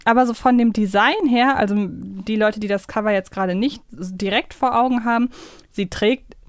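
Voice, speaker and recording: A woman's voice: medium pitch, moderate pace, no echo, clean studio sound. A woman chatting casually as a podcast co-host.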